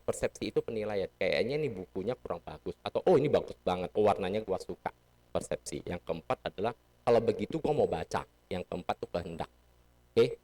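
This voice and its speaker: A man's voice: on the low side, a little mellow. A man giving a casual Buddhist sermon in a temple hall, teaching playfully and asking the audience questions. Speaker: Buddhist dharma speaker.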